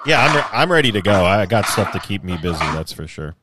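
A man co-hosting a casual podcast who talks in a relaxed way, laughs easily and often restarts his sentences. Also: on the low side, fast, very noisy. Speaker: podcast co-host.

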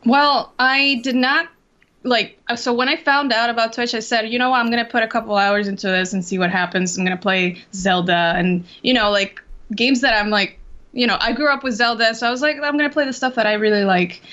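A woman's voice: on the high side, fairly quick, a bit bright, dull audio. A young woman from Costa Rica, chatting casually as an interview guest over a video call, full of fillers and restarts. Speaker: interview guest, Twitch drummer.

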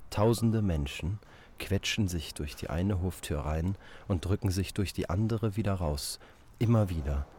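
Tiefe Männerstimme, literarisch erzählend. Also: male voice, low-pitched, a little slow, a little mellow, a little hiss or hum. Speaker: narrator. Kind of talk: scripted literary narration for an audio play.

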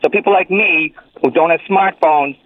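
A man's voice: fairly high pitch, moderate pace, no echo. Man calling in on an old flip phone. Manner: rambling, polite, complaining. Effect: old flip phone call. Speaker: caller. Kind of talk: call-in radio chat. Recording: tinny flip phone line.

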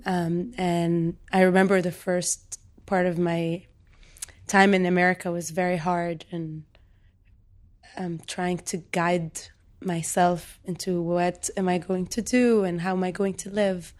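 A woman from Lebanon in her thirties, a poet talking reflectively in an interview, soft-spoken and thoughtful with frequent pauses and fillers. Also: on the low side, little pitch movement. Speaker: poet and guest.

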